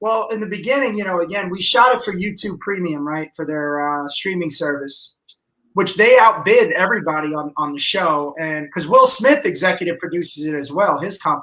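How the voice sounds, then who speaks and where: Bright and sharp in tone, a man with an American accent speaks at a fairly quick pace with high pitch and lively intonation. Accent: slight New Jersey, worked to lose it. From New Jersey. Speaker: actor. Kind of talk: casual chat. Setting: live video podcast. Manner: halting, repeats words.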